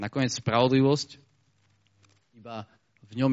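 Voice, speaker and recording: A man at a moderate pace. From eastern Slovakia, Michalovce. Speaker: preacher. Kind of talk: sermon.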